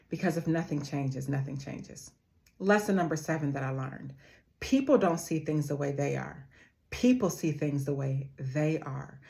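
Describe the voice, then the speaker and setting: A woman giving an earnest motivational talk to her viewers, who calls them family and slows down to repeat key phrases for emphasis. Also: low-pitched, gravelly. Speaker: motivational speaker.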